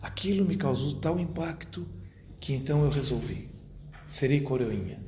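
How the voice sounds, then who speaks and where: A man giving an academic lecture to an audience at a university, speaking in a measured, rhetorical way and addressing his listeners directly. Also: on the high side, a little mellow. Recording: roomy echo, faint background noise.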